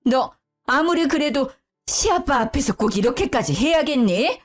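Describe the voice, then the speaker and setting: A sharp-tongued, nagging mother-in-law, as a woman narrator puts her on, with a highish voice that jumps around in pitch. It is a storybook read with soft music behind. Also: lively intonation, moderate pace. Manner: sharp, nagging, then whiny pleading.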